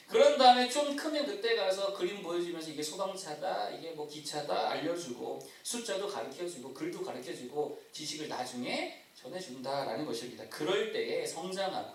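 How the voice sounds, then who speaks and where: A male pastor preaching a sermon in a church, often asking the congregation questions. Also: on the high side. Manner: animated, asks the congregation questions. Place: church sanctuary. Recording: echoey church hall, distant mic.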